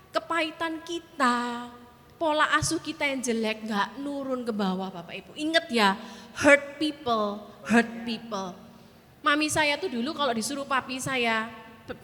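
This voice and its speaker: Middle-aged woman, animated church workshop speaker, high and bright, long hall reverb. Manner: animated, often addresses the audience directly, mixes in English words. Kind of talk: conference teaching with personal stories.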